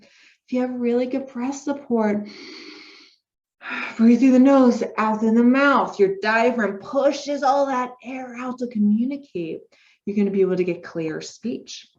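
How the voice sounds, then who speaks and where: A woman's voice: on the high side, a little mellow. A woman giving an informal speech therapy lecture, upbeat and explaining step by step with spoken demonstrations. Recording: dull lo-fi recording.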